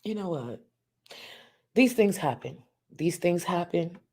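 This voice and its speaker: Deep-voiced, blunt woman streamer. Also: expressive, takes it slowly, darkish tone, husky. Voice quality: naturally deep voice. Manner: blunt, profane, mocking. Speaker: streamer, commentary host. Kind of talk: live reaction commentary.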